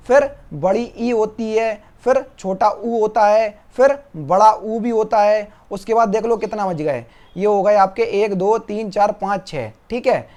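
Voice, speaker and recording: A man teaching an online exam-prep lesson, who asks the class questions and answers them himself, repeating the key terms and drawing out each letter as he lists them. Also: sits high. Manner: slows down and stretches words when listing letters.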